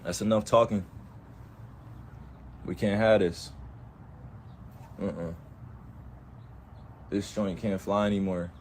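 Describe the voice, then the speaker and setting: A man's voice: lowish voice, steady tone, slow pace, pauses often, a little hiss or hum. A young man speaking with passion on a livestream, emphatic and full of repeated rhetorical questions. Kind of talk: impassioned livestream talk.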